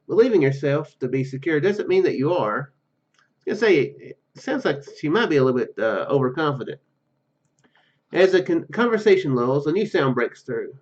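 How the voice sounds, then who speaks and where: Male gamer, fairly high voice, halting read-aloud, casual asides, dull recording. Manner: halting reading, stumbles and repeats words. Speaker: gaming video host. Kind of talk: reading game narration aloud with casual commentary.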